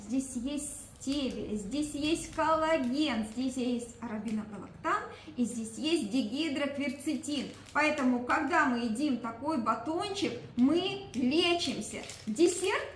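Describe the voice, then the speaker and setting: A woman giving a product presentation, explaining emphatically and often asking questions that she answers herself. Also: high voice. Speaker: presenter promoting a nutrition product. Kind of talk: product presentation talk to a group. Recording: echoey room with faint background noise.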